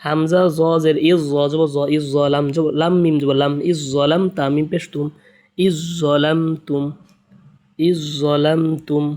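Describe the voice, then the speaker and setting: Male Quran tutor, slow drilled letter chants, narrow melody. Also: a little high, little pitch movement, a little mellow. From Bangladesh. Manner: slow sing-song spelling chants, then quick spoken explanations. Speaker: Quran teacher. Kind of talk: spelling out Arabic letters and vowel marks for beginners.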